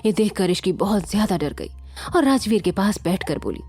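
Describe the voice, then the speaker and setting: A woman narrating a romance serial in a steady, expressive reading voice. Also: mid-range voice, brisk, breathy edge, no echo, soft background music. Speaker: storyteller. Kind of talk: scripted story narration.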